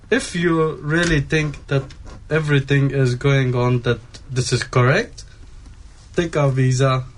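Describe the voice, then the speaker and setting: Man, unhurried and halting non-native English speaker, earnest appeal in a discussion. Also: mid-range voice. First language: not English. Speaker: asylum seeker activist.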